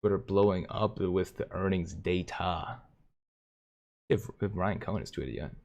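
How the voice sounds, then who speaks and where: A man hosting a live stream, commenting on stock charts and reading viewer comments aloud with excitement. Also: low voice, measured pace, muffled recording. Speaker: livestream host.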